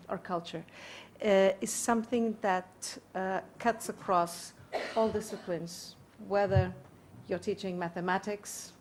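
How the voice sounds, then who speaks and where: A woman from Portugal, answering at a conference panel in a deliberate way, searching for words and correcting herself. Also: lowish voice, darkish tone, a little hiss or hum. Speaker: conference panelist, university leader.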